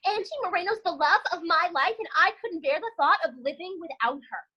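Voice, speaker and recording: Woman acting a five-year-old boy, very high voice, bright, whiny, earnest, wordy, sketch comedy. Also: animated, fairly quick, full character voice. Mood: pleading. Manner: pleading, earnest, precociously wordy. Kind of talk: sketch comedy staged reading.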